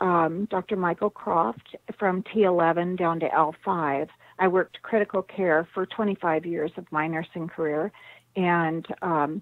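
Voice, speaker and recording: A woman with an unremarkable speaking voice, fairly low in pitch, fairly even in intonation, at a fairly slow pace. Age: 60s. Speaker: nurse practitioner and chronic pain patient. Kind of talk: interview.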